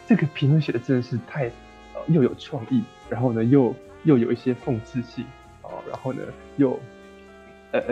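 A man with a Taiwanese accent talks film on a podcast in a relaxed, mellow voice. His pitch is average, and he thinks aloud, pausing as he builds his explanations. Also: highs cut off. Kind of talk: casual film discussion.

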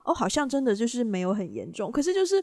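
A woman's voice: fairly high pitch, very animated, fast, a little mellow. Thoughtful young woman podcast co-host. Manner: thoughtful, frequent short backchannels. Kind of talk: casual chat.

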